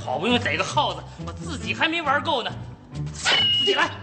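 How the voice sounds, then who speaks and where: Cocky young constable, Tianjin accent, animated pitch, background music. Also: male voice, fairly quick, in a large hall. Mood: smug. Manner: cocky, brash, teasing. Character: swaggering young male town constable. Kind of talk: TV sitcom acting.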